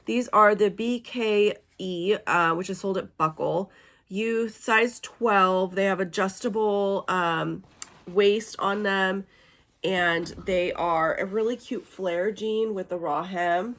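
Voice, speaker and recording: A woman in her thirties talks through her thrift finds in an easy, chatty way, her voice hoarse and raspy with a gravelly edge. Her pitch sits in a middle range, and she fills gaps with little ums. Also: steady tone, slow pace, fairly bright tone. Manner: chatty, with fillers and small laughs. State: hoarse from illness. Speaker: vlogger showing a thrift haul. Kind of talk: casual chat.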